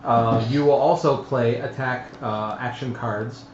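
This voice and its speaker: A man's voice: mid-range voice, fairly even intonation, measured pace. Muffled man explaining game rules, roomy sound. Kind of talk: casual live tabletop game talk, reading out rules. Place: echoey room at a group game table. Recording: roomy, muffled livestream audio with background noise.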